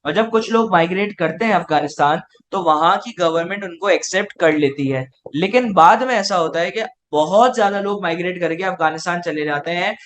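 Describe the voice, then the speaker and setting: A man's voice: high voice, fairly bright tone, slight background noise. A male teacher with a Pakistani Urdu accent, giving an online class lecture and answering his own rhetorical questions.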